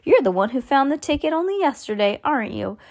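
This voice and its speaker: A woman's voice: sing-song, creaky, darkish tone, exaggerated voice. A woman voicing an exuberant, fussily polite, eccentric little man who owns a chocolate factory, with effusive exclamations, as in a storybook reading. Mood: excited, gushing. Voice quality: high and fluty. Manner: effusive, quick-fire exclamations and pleasantries.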